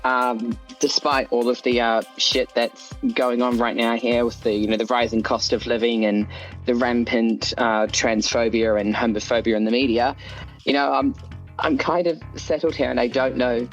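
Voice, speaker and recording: Male guest from New Zealand, middle pitch, easygoing hesitant chat. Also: moderate pace, soft background music, rough recording. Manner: relaxed, hesitant with fillers. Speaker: guest author. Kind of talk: casual interview chat.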